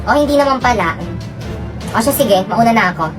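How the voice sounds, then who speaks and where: A woman's voice: a little high, expressive, brisk, close to an everyday voice. A woman voicing squabbling siblings who accuse each other in a family comedy skit. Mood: bickering. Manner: bickering, accusing. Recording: loud music behind.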